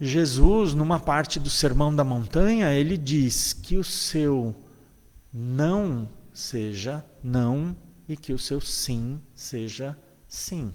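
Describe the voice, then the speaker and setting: A soft-spoken man's fairly high voice, very slow and lively in intonation, with audible room echo. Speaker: spiritist lecturer. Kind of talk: lecture.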